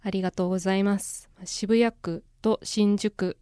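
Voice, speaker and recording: A woman's voice: mid-range voice, fairly even intonation, quick pace, dark tone, clear, resonant tone, no room sound, clean studio sound. A woman hosting a bilingual news discussion podcast as a reporter, introducing topics and putting questions.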